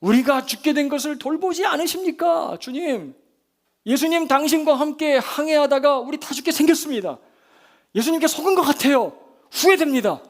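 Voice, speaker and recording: Frightened men in a storm whine and pile on the blame, as a preacher acts them out. The voice is high and pushed loud, pleading and accusing all at once. It rises into a strained, complaining pitch. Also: male voice, animated, normal speed. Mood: whining, accusing.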